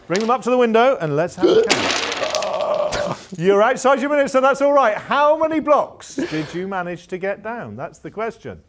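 A man's voice: fairly high pitch, sing-song, moderate pace, slight background noise. A man playing an upbeat TV quiz show host, presenting and commentating with suspense and emphatic delivery. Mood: excited. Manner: builds suspense, counts down emphatically.

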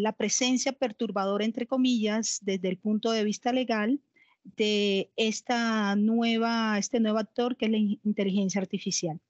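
A woman's voice: medium pitch, dry recording, dull audio. A woman in her forties with a Colombian accent, reading a formal academic lecture over a headset on a video call. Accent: Colombian Spanish. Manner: measured, formal, reading aloud. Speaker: conference speaker. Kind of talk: academic lecture read from text. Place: home office, video call.

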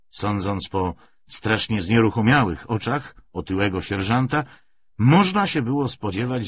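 Male literary narrator; unhurried, varied intonation, slightly dull recording. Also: lowish voice, breathy edge. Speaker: audiobook narrator.

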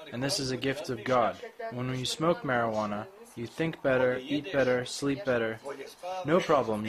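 A man in his forties from Croatia, with a Croatian accent, giving a slow, candid personal testimony to a group in a covered outdoor courtyard. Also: mid-range voice, rough recording. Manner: slow, measured and candid, with short plain sentences. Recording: crowd murmur behind. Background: group of listeners.

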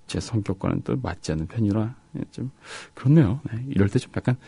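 Co-hosting a radio show, a man chats casually and reads listener comments in a soft, halting voice, pausing between words. His voice is lowish, expressive, creaky and a little rough, with no echo.

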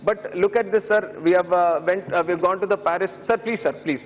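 A man's voice: sits high, steady tone, a little fast, slight background noise. A man in his thirties with an Indian English accent gives an earnest speech in a large parliament chamber into a desk microphone, often hesitating and addressing the chair as "sir". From Andhra Pradesh, India. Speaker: member of parliament. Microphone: fixed desk microphone. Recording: reverberant chamber, dull broadcast audio.

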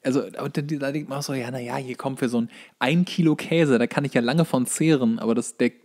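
A man's voice: medium pitch, fairly even intonation, fast, a little mellow. A man chatting as a podcast co-host in a wry, jokey, informal style. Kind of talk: casual comedic podcast chat.

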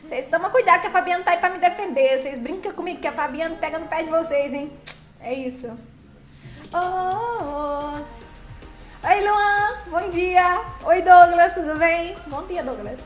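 A woman chats through a live stream, greeting each viewer by name and calling them her loves. Her voice sits high and bright. It rings in a roomy space with faint music underneath. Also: normal speed. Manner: chatty and affectionate, calls viewers by name and pet names.

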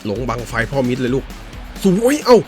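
Man, gameplay commentary, casual, swears, pitch leaps around, low mutters and high yelps, faint music behind. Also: very animated, moderate pace, dark tone. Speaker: gaming YouTuber.

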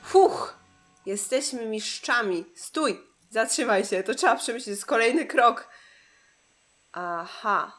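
Bright-voiced woman shouting at a game. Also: on the high side, lively intonation, a little slow, soft background music. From Poland. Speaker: gameplay streamer. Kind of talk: excited gaming commentary.

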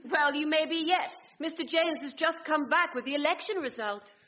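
A woman's voice: sits high, moderate pace, lightly acted. A woman playing a concerned, consoling companion in a radio sitcom. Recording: muffled, echoing hall sound.

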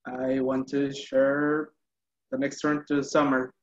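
A man's voice: mid-range voice, flat delivery, takes it slowly. A young man from Mexico introducing himself hesitantly on a video call, with fillers. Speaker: workshop participant. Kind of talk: casual self-introduction. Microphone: laptop video call. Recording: muffled video call audio.

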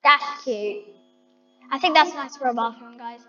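A woman's voice: high-pitched, unhurried, bright, forceful tone, in a large hall, lo-fi sound, faint music behind. A woman chatting to her viewers as she decorates a house in a game, thinking aloud. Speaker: vlogger. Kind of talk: casual game commentary.

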